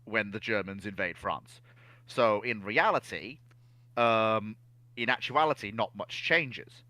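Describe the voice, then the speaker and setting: A man giving conversational historical analysis in a measured, explanatory manner. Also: lowish voice, pushed and bright, no room sound. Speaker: naval history discussion panelist.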